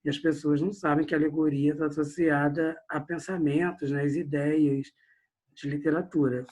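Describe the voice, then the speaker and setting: Brazilian guy teaching lit online, kinda husky, chats at the class a lot. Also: on the high side, flat delivery, normal speed, a little mellow. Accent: Brazilian Portuguese. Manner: chatty, addresses the class directly with frequent tags. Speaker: literature teacher.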